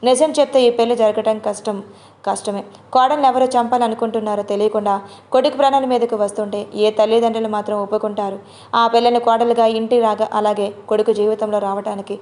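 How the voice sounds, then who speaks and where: A woman's voice: fairly high pitch, steady tone, fast talker, darkish tone, close to an everyday voice. A worried mother turns things over anxiously in her head, as a woman narrator voices her. Her thoughts come out tense and uneasy in this audio drama.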